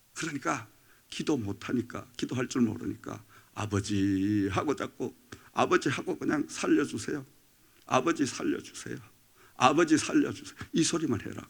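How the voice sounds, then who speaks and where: Man preaching a sermon, bright forceful tone, fairly high voice, animated, prompts the congregation. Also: vocal fry. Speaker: pastor.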